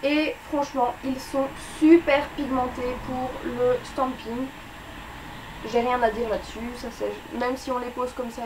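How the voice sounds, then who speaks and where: A woman's voice: fairly high pitch, distant mic, noisy background. A young woman chatting casually as a beauty vlogger, reviewing her monthly favorites with lots of fillers and restarts, recorded indoors at home.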